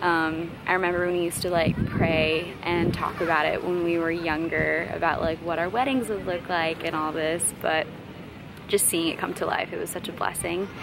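A woman with an American accent and a fairly low pitch speaks at a moderate pace, with noticeable background noise and a dry sound with no echo. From US, with teen years in the Philippines. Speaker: travel vlogger. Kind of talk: casual vlog narration. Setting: outdoors on the beach. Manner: animated. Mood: reflective, warm. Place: open country. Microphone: phone near.

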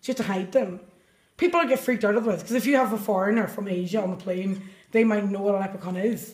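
A woman with an Irish accent at a very fast pace, somewhat breathy, with ordinary pitch variation, audible room echo and a quiet background. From Ireland. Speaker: storyteller spinning a tall tale. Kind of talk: casual conversation. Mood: playful, mock-serious. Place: home room. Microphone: phone near.

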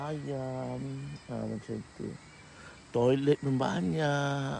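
Light background noise sits behind a man whose voice is dry with no echo. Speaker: camping vlogger. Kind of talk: casual vlog chat. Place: open country. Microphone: phone near.

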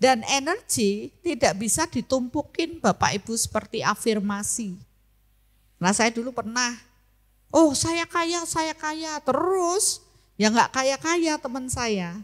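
Against a quiet background, a woman talks very slowly in a high pitch with very wide pitch swings. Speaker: spiritual teacher. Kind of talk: talk show teaching. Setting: stage with audience. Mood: warm, smiling. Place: stage. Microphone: handheld.

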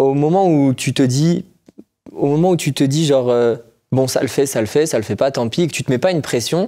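Over a quiet background, a man speaks at a moderate pace in a dark, mellow tone. His pitch sits fairly high. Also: ordinary pitch variation. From Brittany, France. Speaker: singer and dancer, talent show contestant; interview guest. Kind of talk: casual interview. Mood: relaxed, warm, emotional in parts. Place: studio. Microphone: lapel.

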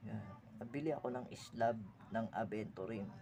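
At a moderate pace, a man with a medium pitch speaks with ordinary pitch variation in a dark, mellow, somewhat breathy tone. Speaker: gem cutter and rockhounding vlogger. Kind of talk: casual tutorial. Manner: unscripted, sometimes stumbling over words.

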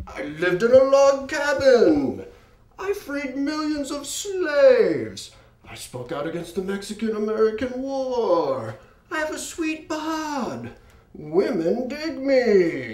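With a slight echo, this voice moves at a fairly slow pace, its pitch swinging very widely and its loudness rising and falling a lot. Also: man, extremely high pitch for a man. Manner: boastful, pleading.

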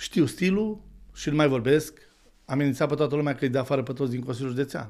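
The voice moves at a fairly quick pace with ordinary pitch variation. The background is quiet. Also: man. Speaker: candidate. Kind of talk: interview answer. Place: studio. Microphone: studio mic.

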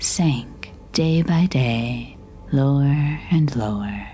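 A woman's very deep, low voice over noticeable background noise. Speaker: ASMR story narrator. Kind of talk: spooky story narration, ASMR reading.

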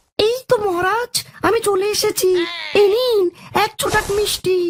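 A cartoonish character voice at an extremely high pitch goes along at a moderate pace. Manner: lively, teasing.

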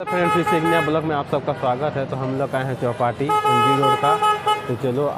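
A man talks fairly slowly as loud background noise fills the space around him. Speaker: vlogger. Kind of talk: casual vlog chat. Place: street. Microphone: phone near.

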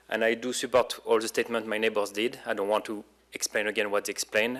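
A man speaks with a non-native accent. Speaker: resident speaking at public comment. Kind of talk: public comment at meeting.

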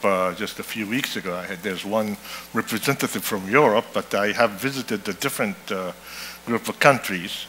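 A man speaks at a moderate pace with a Japanese accent, his pitch fairly low with ordinary variation. Light background noise sits behind him. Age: 60s. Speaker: former diplomat, research director. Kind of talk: panel discussion. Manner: animated. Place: hall. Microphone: headset.

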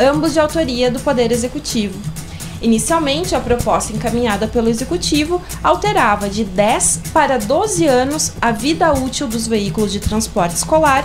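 At a moderate tempo, a woman talks while clear music sounds behind her. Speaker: council press officer. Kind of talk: news report. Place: office. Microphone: handheld.

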